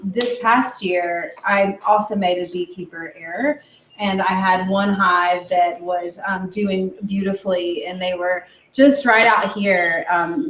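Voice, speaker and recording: A woman's voice: lowish voice, distant mic, slight background noise. A woman beekeeper on a panel, reflecting on her own hives. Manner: reflective, recounting in a personal way. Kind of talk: casual panel discussion. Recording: roomy echo from off-mic with faint ambience.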